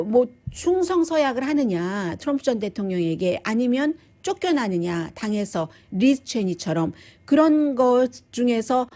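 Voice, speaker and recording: Woman explaining the news, slightly mellow voice. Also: on the high side. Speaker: news commentary host. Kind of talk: live news commentary, conversational explaining.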